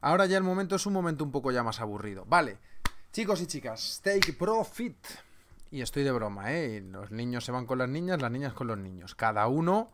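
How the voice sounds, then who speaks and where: A man's voice: medium pitch, very animated, fast talker, a bit bright. A man hosting a live trading webinar, reading viewer names and joking with the chat. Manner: joking, banters with chat, reads names aloud. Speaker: trading seminar host.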